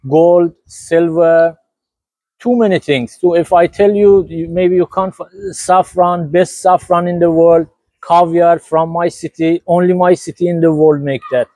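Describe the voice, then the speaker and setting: A man's voice: fairly high pitch, little pitch movement, a little slow, mellow, no echo, low-quality recording. A man with an Iranian accent, Persian his first language, talking earnestly in a casual street interview and often searching for words. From Iran.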